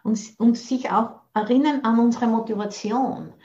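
A woman's voice: fairly high pitch, normal speed, darkish tone, highs cut off. A woman giving a Buddhist dharma talk over a video call, thoughtful and searching for words. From Austria. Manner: thoughtful, searching for words, mixes in English phrases. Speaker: Buddhist nun teacher.

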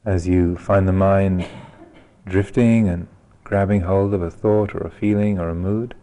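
A man teaching a guided meditation in a calm, gentle, unhurried way, leaving long pauses between phrases. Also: deep voice.

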